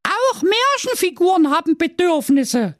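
A man doing a bossy young Snow White, pitched far above his own voice and talking in a broad Saxon accent. She snaps off sharp, dismissive retorts in a comedic storybook style. The recording is dry and close. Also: sing-song, measured pace, no echo, exaggerated voice. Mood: snippy.

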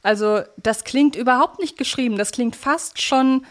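A woman's voice: high voice, normal speed. A woman co-hosting a podcast, talking casually and analytically in a reflective, elaborating way. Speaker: podcast co-host. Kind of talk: casual analytical podcast talk about an audio drama series.

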